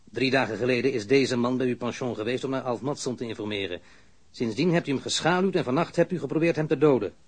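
An actor playing a stern, sarcastic police interrogator in an audio crime drama, probing formally and relentlessly. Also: male voice, medium pitch, fast talker, slightly rough, natural voice. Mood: demanding, forceful.

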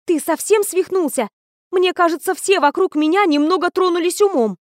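A woman voicing a young female student mage who protests loudly and with exasperation against being married off. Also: extremely high pitch, normal speed, no echo, studio quality, pitched above the performer's own voice. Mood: indignant.

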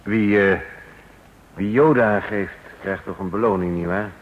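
An actor playing a furtive, greedy male informer in a radio drama, speaking haltingly and hesitantly. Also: lowish voice, lightly acted. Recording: dull, reverberant, faintly noisy hall.

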